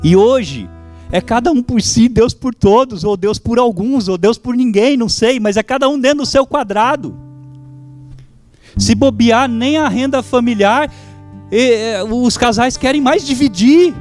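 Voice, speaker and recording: A man's voice: very high-pitched, measured pace, darkish tone, faint music behind. A man whose first language is German, preaching a sermon as pastor, fervent and calling out to his congregation.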